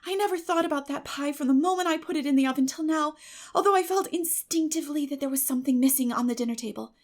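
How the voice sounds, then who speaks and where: A woman's voice: high-pitched, fast, darkish tone, pitched above the performer's own voice, natural voice. A woman voicing a dreamy, dramatic young schoolgirl in an audiobook, effusive and earnest. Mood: apologetic, excitable.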